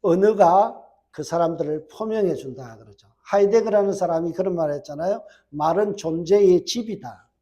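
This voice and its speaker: A middle-aged male pastor with a Gyeongsang Korean accent, preaching a sermon quickly and putting rhetorical questions to his congregation. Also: high voice, dark tone, lo-fi sound. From Gyeongsang, South Korea. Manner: fast-talking, strong regional accent.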